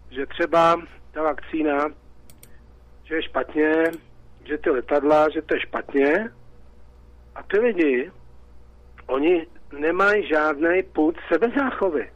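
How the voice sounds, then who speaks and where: Czech male caller, slightly high, agitated and rhetorical; dry, dull phone-in sound. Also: long pauses, dry recording. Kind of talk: call-in radio talk.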